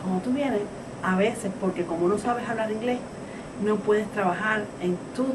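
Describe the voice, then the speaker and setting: A woman's voice: medium pitch, fairly quick. A woman from Cuba explains steadily and earnestly how hard it is to adapt to a new country. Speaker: interviewee. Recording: distant mic with background noise.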